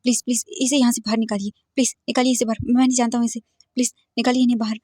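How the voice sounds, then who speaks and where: Woman putting on a panicky young guy, teary, begging, highish voice, dry sound. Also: flat delivery, very fast, a little mellow, slightly rough, dry recording. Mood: frantic pleading. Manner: pleading, tearful, insistent. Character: young man, pregnant, hurt and frantic.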